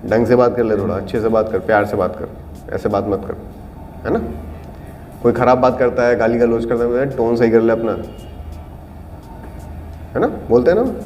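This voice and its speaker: In a reverberant acting studio room with faint background noise, a man teaches acting. His medium-pitched, slightly mellow voice moves fairly quickly as he patiently explains auditions and shows how lines sound in various tones and volumes.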